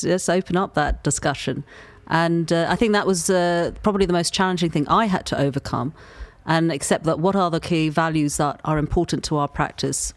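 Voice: mid-range voice, no room sound. Hesitant architect guest full of fillers. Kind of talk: interview answer.

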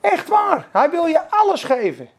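A man's voice: extremely high pitch, huge pitch swings, a little slow. A man preaching a sermon, fervent and emphatic, calling out to his listeners. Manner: fervent, emphatic, acts out dialogues.

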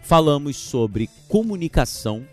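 A man hosting a podcast on teaching, lively and gesturing as he talks. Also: fairly high pitch, a little slow, soft background music. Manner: animated, gesturing while speaking, mocking teachers' verbal tics. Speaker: podcast host and teacher trainer. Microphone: podcast microphone.

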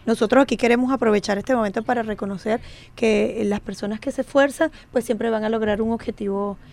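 High gravelly woman co-host. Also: steady tone, fast, a little mellow. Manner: formal, speech-like. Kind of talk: radio interview.

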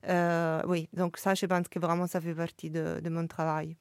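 A woman artist speaking French with a non-native accent, reflecting on her work at a listening session and often pausing and restarting as she searches for words. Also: on the low side, little pitch movement, smooth, dry recording, studio quality. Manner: hesitant, searching for words, many fillers and restarts.

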